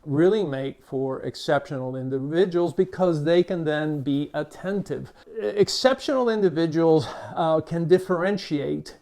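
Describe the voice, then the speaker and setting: An older man, born in Cuba and raised in Miami, with a Cuban-American accent, speaking to camera as a behavior expert in a measured, unhurried way with frequent "uh" fillers. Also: on the high side, vocal fry, a little mellow. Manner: measured, unhurried, with many "uh" fillers and small restarts. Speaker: behavior expert, channel host. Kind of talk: reflective talk to camera.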